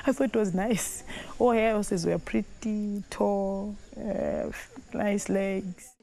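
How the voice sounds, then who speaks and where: A Zambian woman whose first language is Tonga, telling her life story in a reflective, unhurried way with pauses and restarts. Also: mid-range voice, fairly even intonation, creaky, dark tone, low-quality recording. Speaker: documentary interviewee.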